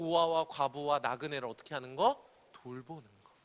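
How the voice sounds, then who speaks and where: With a bright, sharp tone, a man talks at a moderate pace in a raised, projected voice. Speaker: youth pastor. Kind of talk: sermon. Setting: church service with congregation. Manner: animated, call-and-response.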